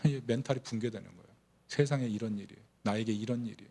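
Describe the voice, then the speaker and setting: A man's voice: lowish voice, quick pace, vocal fry, warm tone, breathy edge. A middle-aged man preaching a Sunday sermon, telling a story and building to fervent, emotional emphasis. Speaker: pastor.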